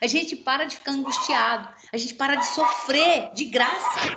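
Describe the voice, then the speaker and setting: Over noticeable background noise and audible room echo, a woman speaks in a raised, projected voice at a moderate pace. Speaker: pastor and teacher. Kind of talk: online class lecture.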